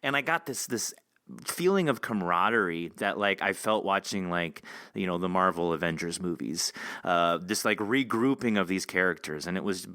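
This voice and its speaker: Male guest, lowish voice, very animated and bright, giggly, dry sound. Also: normal speed, smooth, no echo. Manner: animated, laughs often, casual swearing. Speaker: voice actor guest. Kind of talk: casual interview chat.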